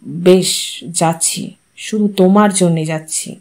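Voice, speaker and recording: A woman voicing a grieving adult son who speaks quietly and with restraint. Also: on the low side, steady tone, slow, pitched below the performer's own voice. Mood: reluctant.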